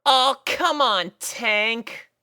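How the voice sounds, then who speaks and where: A man voicing a cocky, tomboyish female pegasus pony in a high, strained falsetto, loud and brash. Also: drawn-out words, clean tone, no room sound, studio quality, exaggerated voice.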